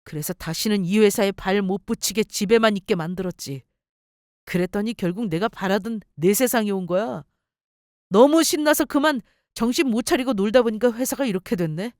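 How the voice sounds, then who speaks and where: A woman's voice: mid-range voice, a little fast, darkish tone, dry recording, clean studio sound, close to an everyday voice. A woman voicing an arrogant, cheating husband who runs a company, talking down with contempt in a story radio drama. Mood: sneering. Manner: sneering, boastful, contemptuous. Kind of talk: story radio role-play.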